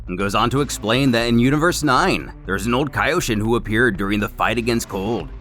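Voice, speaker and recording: A man's voice: mid-range voice, a bit bright. A man narrating a scripted story recap as the storyteller. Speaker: narrator recapping a comic series.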